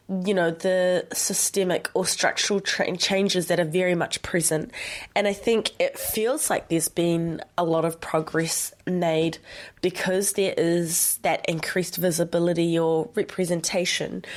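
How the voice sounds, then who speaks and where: Speaking with a New Zealand accent, a woman talks at a fairly slow pace with fairly low pitch and fairly even intonation. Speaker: community radio podcast host. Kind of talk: solo podcast talk.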